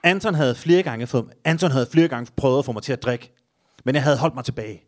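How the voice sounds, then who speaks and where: A man hosting a podcast, reading a story aloud with comic asides and frequent laughter. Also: mid-range voice. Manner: reads while laughing and joking. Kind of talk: comic read-aloud with banter.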